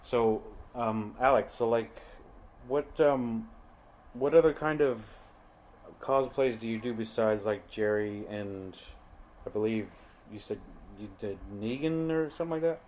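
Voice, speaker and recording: A man's voice: mid-range voice, unhurried, a little mellow. A young man hosting a casual podcast chat, hesitant and full of fillers and restarts. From Long Island, New York. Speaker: podcast host.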